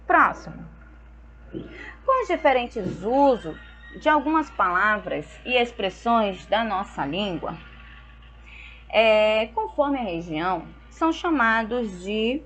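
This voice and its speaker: A young woman from Brazil, teaching a school lesson and explaining slowly and patiently, often checking in with her students. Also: fairly high pitch, low-quality recording. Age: young adult.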